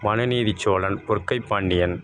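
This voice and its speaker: A man's voice: on the low side, normal speed, fairly bright tone, slight background noise. A man giving a talk on spiritual meanings of words, explaining patiently and repeating key phrases. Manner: repetitive, explains word sounds and meanings. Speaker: spiritual speaker.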